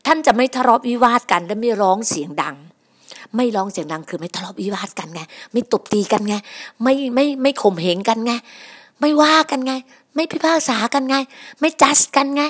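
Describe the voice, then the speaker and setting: A woman's voice: fairly high pitch, animated, a little fast. A woman preaching a sermon on her podcast, emphatic and repetitive, often addressing her listeners as brothers and sisters.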